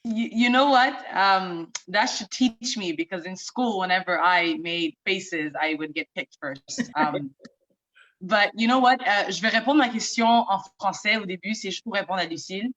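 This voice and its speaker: A woman's voice: mid-range voice, unhurried, a bit bright, highs cut off. A Somali-born woman in her thirties, a native Somali speaker, speaking earnestly on a panel and repeating words as she searches for them. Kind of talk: panel discussion remarks. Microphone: video call.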